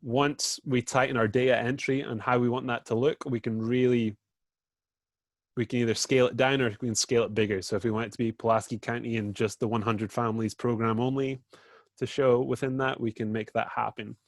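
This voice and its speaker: A man's voice: medium pitch, flat delivery, a little fast, no echo, clean studio sound. A man with a British accent walks through a data dashboard while sharing his screen on a video call, informal and full of fillers. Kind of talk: screen-share presentation in a video meeting.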